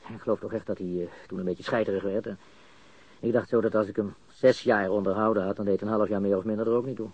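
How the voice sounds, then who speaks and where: In a radio crime drama, an actor plays a nervous, bitter small-time crook who stammers through slang as he confesses under interrogation, sounding baffled and unnerved. The male voice is fairly low, husky, fast and steady in tone, on a dull lo-fi studio radio recording with no room sound.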